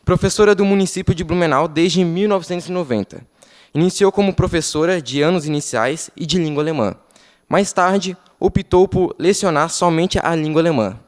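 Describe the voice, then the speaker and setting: Young male speaker in a reverberant chamber. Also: fairly high pitch. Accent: Brazilian Portuguese. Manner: careful, formal recitation with some pauses. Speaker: child councillor giving a tribute speech. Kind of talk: formal speech read aloud. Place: council chamber. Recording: long reverb of a council chamber.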